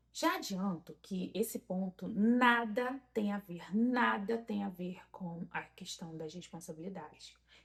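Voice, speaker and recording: Her pace is very slow, yet she leaves hardly any pauses, and her loudness swings widely. The woman's voice is somewhat breathy, medium in pitch, with ordinary pitch variation. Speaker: lifestyle and organization youtuber. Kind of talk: vlog monologue.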